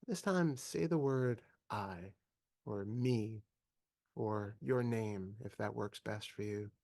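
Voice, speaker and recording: Low-voiced man guiding a meditation, close and dry. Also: creaky, no room sound. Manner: calm, measured, with long pauses. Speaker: meditation teacher. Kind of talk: slow guided meditation.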